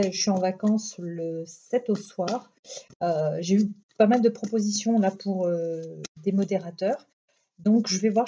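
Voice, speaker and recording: A woman with a Belgian French accent, just recovering from illness, gives a casual tarot card reading, chatty and rambling with plenty of fillers. Her medium-pitched voice is mellow, captured on a dull lo-fi home recording with a little hiss or hum.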